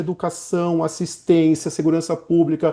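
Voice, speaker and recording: A man's high-pitched voice has a dark, mellow tone. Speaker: public administration professor. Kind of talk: webinar lecture. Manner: fast.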